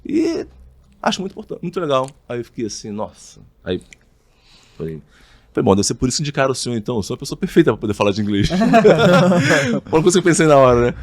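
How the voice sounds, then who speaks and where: A man's voice: medium pitch, racing, pauses often, no room sound. A man telling a sales story as a podcast guest, acting out both sides of the conversation. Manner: animated, acts out both sides of dialogues. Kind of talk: casual storytelling in an interview.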